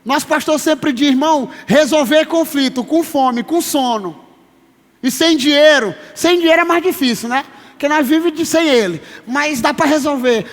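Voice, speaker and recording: A man in his thirties preaching a sermon as pastor, emphatic, slowing down to stress his words and calling listeners brother. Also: very high voice. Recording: long reverb of a large hall.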